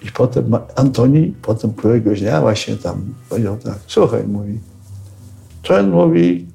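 An older man telling anecdotes in a casual, animated way, acting out what others said. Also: fairly low pitch, normal speed, gravelly. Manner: animated storyteller who acts out quotes and tags lines with "nie?". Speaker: interviewee recalling militia days.

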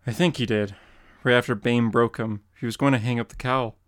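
A man's voice: medium pitch, steady tone, a little fast, clean tone, no echo, studio quality, close to an everyday voice. A man voicing a cheeky teenage boy sidekick in a dramatic comic reading, asking curious questions.

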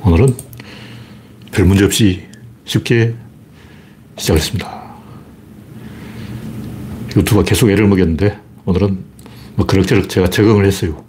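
A man's voice: low-pitched, fairly even intonation, normal speed, long pauses, a little mellow, slight background noise. A man with a Gyeongsang dialect hosting a casual livestream, greeting viewers and rambling through opinionated, mocking commentary. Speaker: livestream host.

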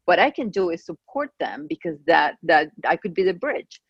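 Woman, Spanish native speaker, middle-aged, raspy and gravelly, dull dry call audio, animated restarts. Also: lowish voice, normal speed, no room sound. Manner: animated storytelling with frequent restarts. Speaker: clinical pharmacist guest. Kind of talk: casual conversational interview. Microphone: remote call microphone.

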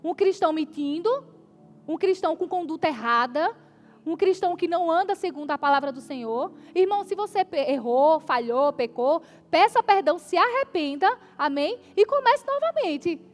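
Woman preacher, very high and animated voice; emphatic sermon with frequent "amen?" calls and slow, deliberate scripture reading. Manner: emphatic, punctuates points with "amen?" to the congregation; reads scripture aloud slowly and deliberately.

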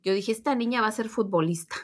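A mother co-hosting a casual chat, calm and matter-of-fact, gently correcting her partner. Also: mid-range voice, quick pace. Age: adult mother of several children. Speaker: co-host.

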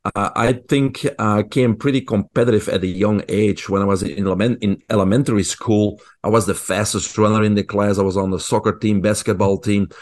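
A man's voice: on the low side, fairly even intonation, a little fast, hardly any pauses, darkish tone. A man with a Belgian accent, guesting on a radio interview as a mentor and coach, telling his story in a motivational way.

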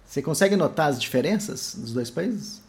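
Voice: medium pitch, lively intonation, normal speed. An interviewer asking curious questions in a casual interview, with short replies.

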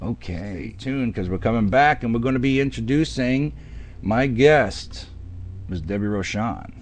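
A man's voice: mid-range voice, expressive, a little slow. A man hosting a radio show in chatty, folksy DJ patter, speaking directly to his listeners. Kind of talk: radio DJ patter, ad reads and weather.

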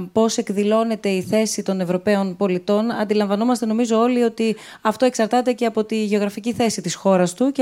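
A woman moderates a live panel discussion, putting long, carefully built questions to the guests. Her voice is warm and mellow, at a mid pitch, and her delivery is formal.

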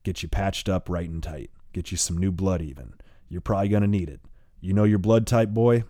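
Man voicing Merle, gruff calm leader. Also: low voice, brisk, no echo, studio quality, natural voice. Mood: commanding. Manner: coolly commanding, drawling.

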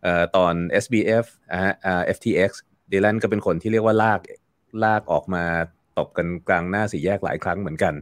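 A low-voiced man speaks briskly as a guest in a relaxed interview, offering long explanations full of fillers and repeated words. He is a guest commentator, and the recording is dry.

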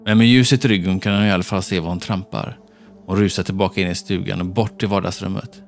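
A man narrating a horror story in a tense, measured storytelling manner. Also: low voice, steady tone, vocal fry. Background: faint background music.

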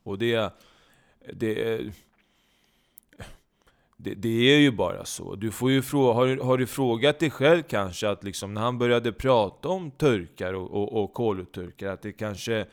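Man, podcast host, low dry teasing delivery, smooth clear voice. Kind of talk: casual comedy podcast chat.

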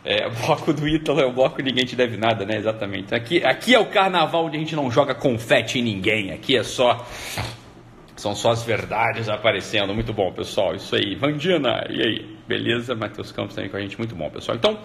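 A man hosting a casual live stream, rambling along and tagging "né?" onto his sentences, his voice getting animated as he retells exchanges. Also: medium pitch, brisk, vocal fry, a little hiss or hum. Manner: rambling, repetitive "né?" tags, animated when retelling. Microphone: streaming mic.

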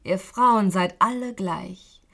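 A woman voicing a cold, emotionless male kidnapper who speaks slowly and lower than her narration.

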